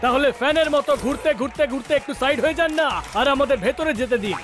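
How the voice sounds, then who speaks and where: Cheeky cartoon hero: extremely high pitch, rattling pace, teasing and quick-witted. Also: male voice, music in the background. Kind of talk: cartoon dub acting.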